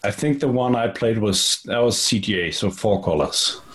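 A middle-aged man from Denmark, a native Danish speaker with a Danish accent, answering interview questions in a relaxed, thoughtful way. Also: on the low side, moderate pace, a little hiss or hum. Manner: relaxed, thoughtful, with fillers and repeats. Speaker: guest, author and software business partner.

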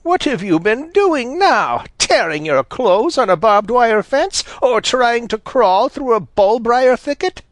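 A man voicing a sharp-tongued, cross old female fox in a storybook. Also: high-pitched, wildly swooping pitch, slow, dry recording, voice pushed up, full character voice. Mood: snappish. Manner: scolding, snappish.

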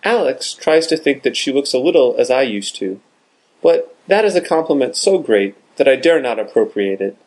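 A man voicing a gentle invalid woman who speaks fondly in a storybook reading. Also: medium pitch, animated, normal speed, low-quality recording.

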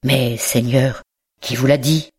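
A reader voicing an old male bookseller, miserly and secretive, who stammers and pleads over his precious books in a slow audiobook reading. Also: mid-range voice, steady tone, breathy edge. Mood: guarded.

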